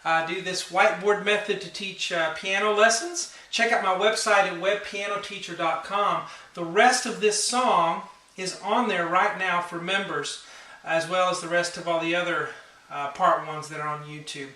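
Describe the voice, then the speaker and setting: A man with a rather high voice giving a casual, relaxed piano lesson at a whiteboard, talking through chords with plenty of fillers. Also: normal speed. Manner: relaxed, chatty, many fillers, counts beats and hums notes. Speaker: piano teacher. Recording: roomy sound from a distance over loud piano.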